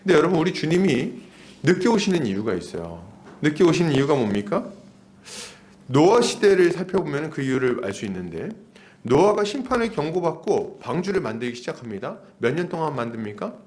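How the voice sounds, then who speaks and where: A man's voice: on the high side, very animated, a little fast, darkish tone. A man of about forty preaching an expository sermon as a pastor, using emphatic repetition and rhetorical questions.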